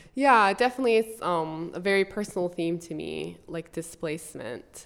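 At a moderate pace, a woman with an unremarkable speaking voice and fairly low pitch talks with ordinary pitch variation. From Colombia (Cali). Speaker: author. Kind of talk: interview.

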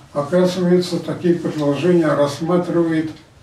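The man's speech is met by clearly audible background noise and an echo you can hear in the room. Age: 80s+. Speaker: law professor. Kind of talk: interview. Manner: halting.

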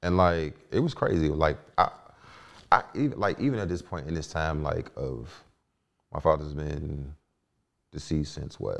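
Against a quiet background, a man with a very deep, low pitch and vocal fry speaks at a moderate pace with ordinary pitch variation and long, frequent pauses. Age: 40s. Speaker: podcast guest, father of five and writer. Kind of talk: casual chat. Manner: halting.

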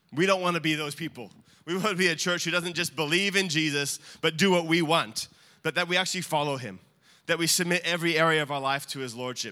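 Talking at a very fast pace, a man uses a fairly high pitch with an American accent. His pitch variation is ordinary. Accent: sounds American despite being Australian. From Australia. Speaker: pastor. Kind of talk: sermon. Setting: church.

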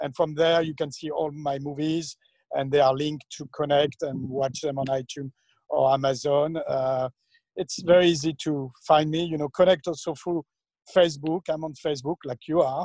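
With an ordinary speaking voice, a man talks at a moderate pace and a fairly high pitch. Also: fairly even intonation. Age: 50s. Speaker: film producer. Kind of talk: interview.

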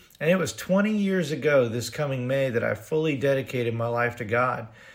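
A normal speaking voice from a man at medium pitch and a moderate pace. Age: 40s. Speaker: lay preacher and podcast host. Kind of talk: bible teaching.

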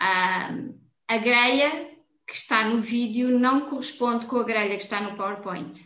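The speaker has a European Portuguese accent and a bright, sharp tone, talking at a fairly slow pace with audible room echo. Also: woman, fairly high pitch for a woman, ordinary pitch variation. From Portugal. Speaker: coaching student. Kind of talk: online class discussion.

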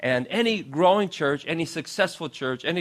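In a Canadian accent, a man with an ordinary speaking voice talks at a moderate pace with a fairly high pitch and ordinary pitch variation on a very clean recording with a silent background. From Canada, rural southern Alberta. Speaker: visiting pastor. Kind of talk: sermon.

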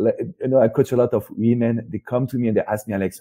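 A man with a French accent and a medium pitch has a dark, mellow tone, speaking at a fairly quick pace in a dry, close sound with no echo. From France. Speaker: love and relationship coach. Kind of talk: casual interview conversation. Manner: halting, hesitant with fillers.

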